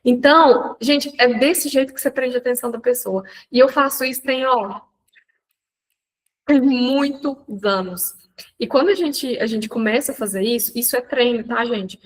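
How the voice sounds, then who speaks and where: Woman, Brazilian Portuguese accent, mentor, live online talk, chatty, animated, slightly high voice. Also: rough recording. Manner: chatty, animated, addresses audience directly.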